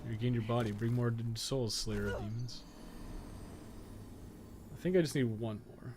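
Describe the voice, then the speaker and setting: A man's voice: medium pitch, steady tone, normal speed, noisy background. A man giving casual, rambling live commentary as he games, thinking aloud and swearing freely. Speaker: gaming streamer and podcast co-host.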